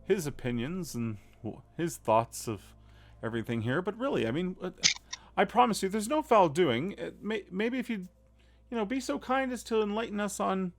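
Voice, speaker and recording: A man's voice: high-pitched, pitched above the performer's own voice, full character voice. A man voicing an evasive, courtly island baron who hedges and stammers politely. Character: smooth-talking island baron, middle-aged man.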